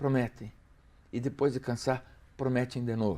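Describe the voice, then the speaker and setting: Medium-pitched male speech on a very clean recording, the background silent. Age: 60s. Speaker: gubernatorial candidate. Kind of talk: political interview.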